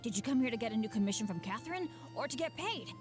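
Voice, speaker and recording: A high, very lively young voice acted by a woman for a teenage boy adventurer in a video game. He is eager and starstruck, chatting away and quick to apologize, with music clearly playing behind him. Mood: friendly, curious. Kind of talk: video game character dialogue.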